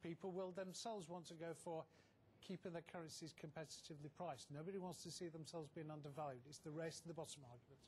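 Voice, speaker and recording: A man speaking as a market analyst in a live news interview, explaining in a measured way and repeating words for emphasis. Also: fairly high pitch, fairly even intonation, darkish tone, slight background noise.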